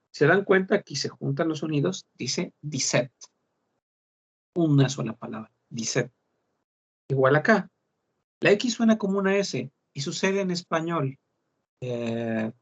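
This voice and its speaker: Slow husky male language teacher. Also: on the high side. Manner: slow, repeating words to model pronunciation. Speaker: French teacher. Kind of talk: online class lesson. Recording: dull lo-fi class recording.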